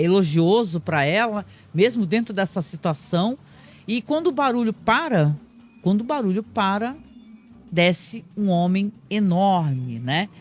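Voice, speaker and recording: Chatty Brazilian recapper saying "né?" a lot. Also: mid-range voice. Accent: Brazilian Portuguese. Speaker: film and TV reviewer. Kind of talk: casual spoken episode recap.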